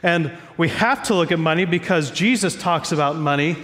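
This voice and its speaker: A man's voice: on the high side, normal speed, a bit bright, in a large hall. A man preaching a sermon as pastor, stuffy from a cold, talking in a conversational, self-joking way from a church stage.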